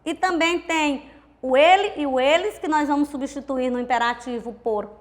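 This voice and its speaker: A woman with a Brazilian accent teaches a grammar lesson in a high, clear voice. She explains step by step, drawing words out and counting syllables aloud. She keeps asking the class rhetorical questions. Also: normal speed. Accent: Brazilian Portuguese. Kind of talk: recorded grammar video lesson.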